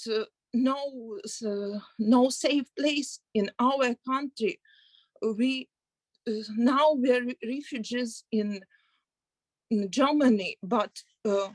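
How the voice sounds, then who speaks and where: A woman with a Ukrainian accent gives personal testimony over a video call. She speaks slowly and haltingly, searching for words, in a slightly high voice with a dry, close sound. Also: no room sound, low-quality recording. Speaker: participant in a play reading.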